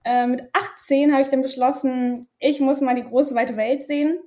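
A woman in her thirties from Berlin, raised bilingual in German and French, speaks in a high, steady, darkish voice at a moderate pace. As an interview guest she tells her personal story candidly, sounding hesitant and using lots of fillers.

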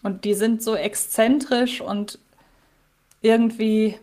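A woman's voice: fairly high pitch, fairly even intonation, slow, darkish tone. Hesitant woman podcast co-host. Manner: thoughtful, hesitant with many fillers. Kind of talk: casual podcast chat.

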